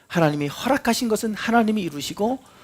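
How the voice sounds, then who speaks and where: A man's voice: sits high, expressive, quick pace, breathy edge. A middle-aged male pastor preaching a sermon, telling the story and acting out the quoted lines.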